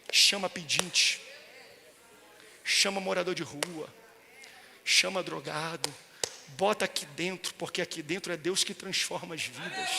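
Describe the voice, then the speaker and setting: High, bright-voiced Brazilian pastor preaching. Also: male voice, long reverb tail. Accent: Brazilian Portuguese. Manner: storytelling, rising to impassioned preaching. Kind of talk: sermon. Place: large church hall.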